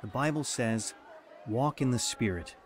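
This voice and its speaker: An actor playing a kindly, patient pastor in a Christian audio drama, speaking in a measured, reassuring way. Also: male voice, medium pitch, close to an everyday voice. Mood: earnest, explaining. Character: kindly male pastor, patient and gently counseling.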